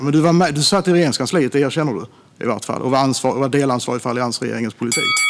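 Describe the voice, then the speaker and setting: With a fairly high pitch and ordinary pitch variation, a man speaks. His pace is very fast. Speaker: politician, justice minister. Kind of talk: parliamentary debate speech. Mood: irritated, argumentative. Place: hall. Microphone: podium.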